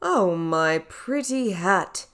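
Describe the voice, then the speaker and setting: A woman's voice: lowish voice, animated, very slow, fairly bright tone, exaggerated voice. A woman voicing a vain male small-town police sergeant who muses aloud in an audiobook. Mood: musing, impressed. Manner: musing aloud to himself.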